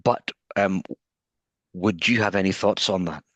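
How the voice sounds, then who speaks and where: Male interviewer, deep voice, frequent stutter, thoughtful delivery. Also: unhurried, a bit bright, no room sound. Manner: stutters, with repeated words and blocked sounds; thoughtful, searching for words. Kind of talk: conversational interview.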